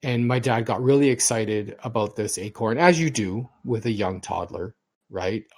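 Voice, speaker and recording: The co-host of a casual podcast is a middle-aged man speaking at a moderate pace in a fairly low voice. He is a rambling storyteller whose long anecdotes often repeat and whose words get restarted.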